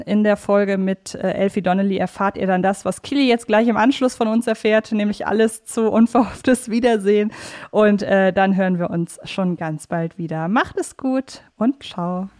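Woman podcast host, medium pitch. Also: a little mellow. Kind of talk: conversational podcast interview hosting.

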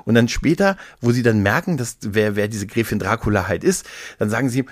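A man in casual podcast chat, retelling stories in a rambling, animated way as a co-host. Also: on the low side, a little fast, no room sound, studio quality. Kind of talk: casual chat, retelling and reviewing audio dramas.

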